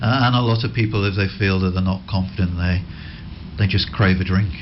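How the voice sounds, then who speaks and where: A man's voice: low-pitched, a little fast, a little hiss or hum. Man hosting a radio interview, dull lo-fi. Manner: gentle, rambling questions with restarts. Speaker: radio host. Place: radio studio.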